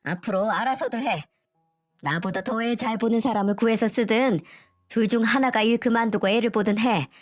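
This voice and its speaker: A woman voicing an older mother and grandmother who scolds her son in a sharp, indignant tone. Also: on the high side, normal speed, no echo, clean studio sound, soft background music, natural voice. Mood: cold.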